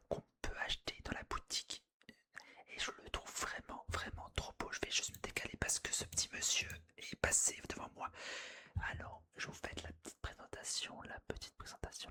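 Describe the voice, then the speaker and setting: A person whispering breathily and closely into the listener's ear, narrating gameplay in a soothing ASMR style and softly repeating phrases. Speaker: gaming ASMR video creator.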